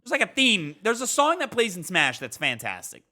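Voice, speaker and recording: Animated, bright-voiced man bantering. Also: high-pitched, moderate pace. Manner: emphatic, argumentative, repeats himself for emphasis. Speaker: podcast co-host. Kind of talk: casual gaming podcast banter.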